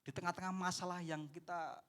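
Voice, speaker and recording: A male pastor with a high-pitched voice, preaching a sermon to his congregation. He speaks with a lilt. He talks in an animated way and acts out the people in his story. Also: a little fast. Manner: addresses the congregation as "saudara".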